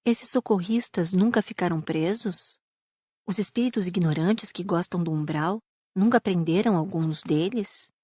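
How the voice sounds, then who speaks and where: A woman's voice: on the low side, unhurried, a little mellow, husky, no echo, studio quality. A Brazilian woman playing an inquisitive spirit student in an audiobook. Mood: curious. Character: questioning female spirit student. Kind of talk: audiobook dramatized reading.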